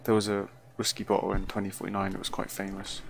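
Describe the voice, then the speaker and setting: A man with a fairly low voice and plenty of vocal fry talks casually through a game. He muses hesitantly and lets thoughts trail off. There is clear noise in the recording, with ambience behind him. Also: completely flat delivery, fast. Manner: hesitant, musing aloud, trailing off. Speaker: game player giving commentary. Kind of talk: casual first-impressions game commentary.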